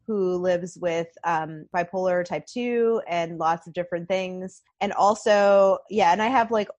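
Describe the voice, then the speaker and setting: A woman chatting as a guest on a podcast, bubbly and talkative, full of quick asides. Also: on the low side, darkish tone, dull audio. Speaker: podcast guest, nonprofit founder. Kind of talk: casual podcast chat.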